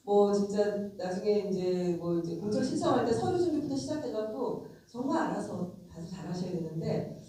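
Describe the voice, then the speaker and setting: A middle-aged woman, a lawmaker who has a cold, speaks directly to her audience in a frank, emphatic, conversational lecture. Her mid-range voice carries lively intonation at normal speed with a warm tone, captured by a distant mic in a very echoey convention center lecture hall.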